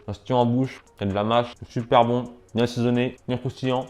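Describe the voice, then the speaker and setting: A man's voice: medium pitch, steady tone, fast, a little mellow. Chatty man tasting food on camera. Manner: chatty, talks with mouth full while tasting. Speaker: food challenge vlogger. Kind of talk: casual food review vlog.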